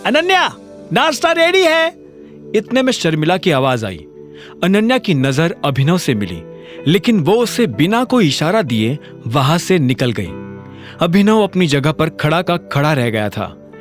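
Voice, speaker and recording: A man narrating an audio drama series in an expressive storytelling manner. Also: fairly high pitch, a little slow, soft background music.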